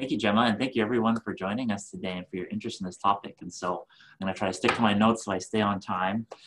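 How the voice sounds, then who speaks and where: Over noticeable background noise, a man talks very fast in a fairly low voice with fairly even intonation. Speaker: panelist. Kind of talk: panel presentation. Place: office. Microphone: webcam.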